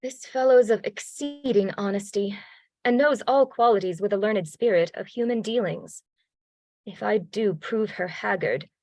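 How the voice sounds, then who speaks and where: A woman's voice: medium pitch, a little mellow, no echo, lightly acted. A woman reading the part of a proud middle-aged male general gnawed by jealousy, in earnest Shakespearean verse. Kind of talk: Shakespeare read-along.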